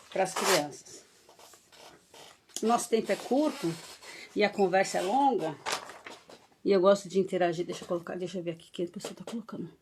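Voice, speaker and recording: Against a noisy background, a Brazilian early childhood educator with a medium-pitched voice leads a live online talk. Her style is chatty and heavy on tag questions, turning animated as she runs games for the audience.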